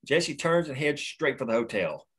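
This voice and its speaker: A man's voice: medium pitch, moderate pace, slightly rough. Man reading stage directions plainly. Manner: plain, even reading of action lines. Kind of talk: screenplay table read.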